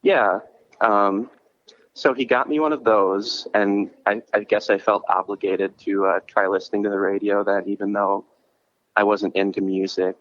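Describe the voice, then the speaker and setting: Interview guest calling in by phone: a lower-pitched man, muffled line, loose and rambling delivery. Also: steady tone, normal speed. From Minnesota, US. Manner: rambling, with frequent restarts and "like" fillers. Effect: heard over a phone line. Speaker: podcast host and concert promoter, guest. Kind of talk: casual chat, relaxed storytelling. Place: coffee shop.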